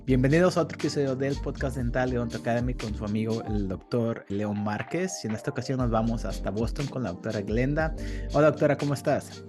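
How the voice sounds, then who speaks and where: A man's voice: medium pitch, quick pace, over music. A man hosting a dental podcast, friendly and curious, speaking casually with slang. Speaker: podcast host.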